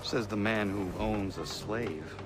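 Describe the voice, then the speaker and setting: An actor playing an earnest, stubborn young Native American man in a dramatic video game, speaking with formal, measured diction. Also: on the low side. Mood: stern, resolute. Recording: music behind the voice.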